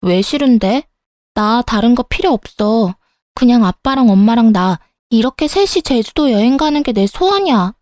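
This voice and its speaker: A sulky young daughter whines and argues back at her father, pleading and defiant, as a woman puts her on. The voice sits a bit high and is recorded close and dry for a story read-aloud. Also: expressive, moderate pace, a little mellow, dry recording, close to an everyday voice.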